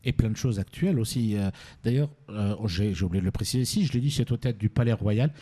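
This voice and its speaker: A man's voice: fairly low pitch, fast talker, mellow. A man hosting a radio show in a casual, teasing way, often rambling and correcting himself. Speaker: radio host. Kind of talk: casual, jokey radio presenting.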